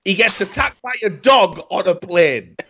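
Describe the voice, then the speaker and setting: A man, swearing freely and telling a story loudly in a casual chat, on a headset mic. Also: sits high, unhurried, a little hiss or hum. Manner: profane, animated storytelling, gets loud when worked up. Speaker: podcast host. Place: home room, indoors. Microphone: headset with desk mic.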